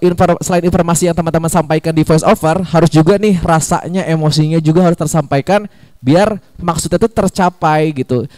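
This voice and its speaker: A man's voice: fairly high pitch, darkish tone, no echo. A young man giving a casual seminar talk to students, chatty and full of fillers. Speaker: workshop speaker. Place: school hall.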